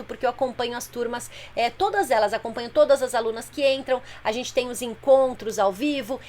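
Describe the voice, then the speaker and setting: Higher-pitched woman coaching mothers. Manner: explanatory, plain-spoken, addresses viewers directly. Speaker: parenting coach. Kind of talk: live stream talk to mothers.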